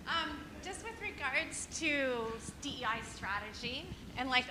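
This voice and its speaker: A woman's voice, with ordinary pitch variation, comes through audible room echo and noticeable background noise. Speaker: audience member asking a question. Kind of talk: audience question. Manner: quiet.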